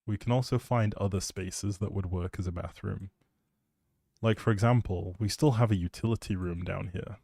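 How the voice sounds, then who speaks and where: Male game streamer, mellow dark tone, informal rambling delivery, recorded dry and close on mic. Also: low-pitched, moderate pace, vocal fry, dry recording. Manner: informal, thinking out loud. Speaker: live streamer.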